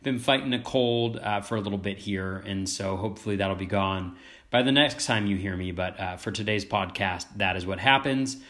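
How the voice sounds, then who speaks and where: A man's voice: on the low side, moderate pace, a bit bright. A man hosting a podcast while sick with a cold, his voice cracky, sniffling and coughing as he chats with enthusiasm and plenty of fillers. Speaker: podcast host. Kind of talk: casual podcast chat.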